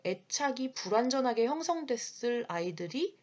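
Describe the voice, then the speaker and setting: Lively breathy woman lecturing on childcare. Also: on the high side, dull audio. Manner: lively, breaks into quick acted quotes of parents and children. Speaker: early childhood education instructor. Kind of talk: explanatory lecture.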